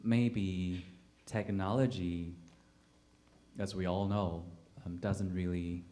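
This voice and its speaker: A man with a fairly low voice and a Taiwanese accent. He talks about his own work in a spontaneous panel style. His delivery is halting, with repeated words and pauses to find the next phrase. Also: fairly even intonation, warm tone. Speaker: playwright and theater director on a panel. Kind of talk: panel discussion, spontaneous personal account.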